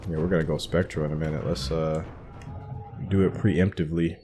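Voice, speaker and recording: A man's voice: very deep voice, steady tone, a little fast. A man giving casual commentary as he plays through a video game for his viewers. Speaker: gaming streamer doing a playthrough. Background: game music.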